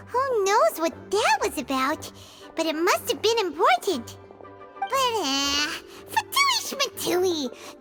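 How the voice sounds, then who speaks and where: A woman voicing a tiny, chirpy female companion creature with a high, squeaky voice who talks about herself in the third person, in a game. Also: full character voice. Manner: bouncy, excitable, swooping pitch. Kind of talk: game voice acting. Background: game music.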